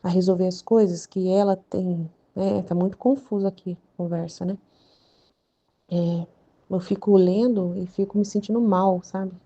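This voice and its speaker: Chatty Brazilian woman with a mellow voice. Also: mid-range voice, steady tone, moderate pace, highs cut off. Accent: Brazilian Portuguese. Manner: chatty, with many filler tags. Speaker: channel host reading religious texts. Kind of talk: devotional reading with casual commentary.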